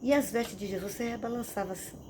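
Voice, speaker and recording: A middle-aged woman pastor, telling her testimony in an animated storytelling way with dramatic repetitions. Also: on the high side, quick pace, background noise. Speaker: missionary and pastor. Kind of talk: testimony preaching. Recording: crickets and insects chirping behind.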